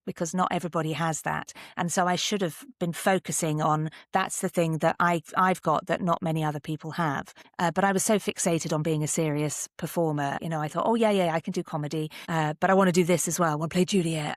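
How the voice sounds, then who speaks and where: Low-voiced British woman, close dry sound. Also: no room sound. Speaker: podcast guest, actor and voice artist. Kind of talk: conversational interview, sharing advice.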